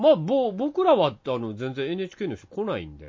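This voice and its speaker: A man is talking here. His delivery comes at a fairly slow pace. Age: middle-aged. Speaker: podcast host. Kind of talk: casual chat.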